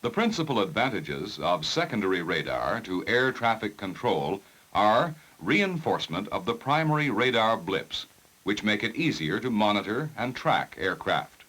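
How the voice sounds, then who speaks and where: Male narrator for vintage 1960s technical training film; lowish pitch, lively inflection, measured formal delivery, careful enunciation. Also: rough recording.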